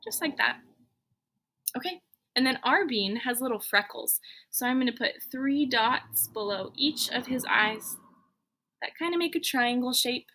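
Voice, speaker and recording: A woman teaching elementary school takes children through a drawing lesson in stages, offering simple encouragement and thinking out loud. Her high, pushed, bright voice is unhurried with lively intonation, against slight background noise.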